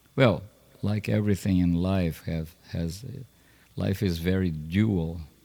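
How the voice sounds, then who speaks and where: A man's very deep, low voice with a dark, mellow tone and a Brazilian Portuguese accent, with ordinary pitch variation at a very slow pace. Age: old. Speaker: internet radio host. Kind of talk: casual monologue. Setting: live stream. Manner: halting.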